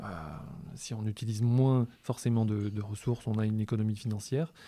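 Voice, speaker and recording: A man is talking, and his tone is dark and mellow. His pitch sits in the medium range. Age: 30s. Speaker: podcast host, photographer. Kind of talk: interview.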